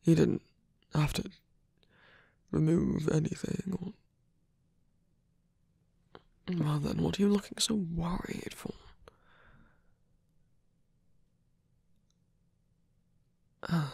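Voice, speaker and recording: Man acting a breathy, husky, guarded villain lover. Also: on the high side, warm tone, dry recording, studio quality, exaggerated voice. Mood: tentative, tender. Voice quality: breathy, husky, often half-whispered. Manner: hesitant, halting, with long pauses and sighs. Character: wounded male villain, softened, guarded, tired lover. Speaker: ASMR voice actor. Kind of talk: intimate ASMR roleplay acting. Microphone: close microphone, dry.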